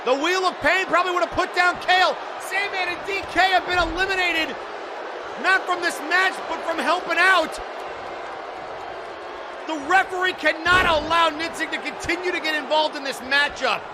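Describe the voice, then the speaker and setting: A man calls live wrestling in a very high, strained shout, excitedly exclaiming at the action and the referee. A loud crowd and noise surround his voice. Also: normal speed. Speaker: wrestling play-by-play commentator. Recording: noisy event audio with loud crowd. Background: crowd noise and slamming thuds.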